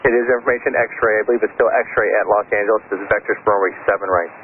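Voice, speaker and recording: A man's voice: on the low side, steady tone, quick pace, narrow, tinny audio. A man working as an air traffic controller, giving instructions over a radio link. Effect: radio transmission.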